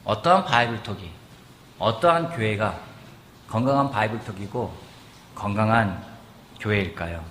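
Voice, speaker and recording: Animated preacher with a bright, echoing voice. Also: male voice, fairly low pitch, moderate pace, pauses often, a little hiss or hum. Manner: lively, asks the congregation questions and acts out quotes. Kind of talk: sermon. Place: church sanctuary. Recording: echoey church hall with faint ambience.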